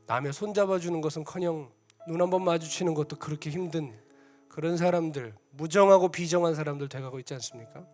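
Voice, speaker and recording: A man preaching a sermon as a missionary, telling a story with lively shifts and dropping to a soft hush for quoted voices. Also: a little high. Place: church sanctuary. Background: soft instrumental music.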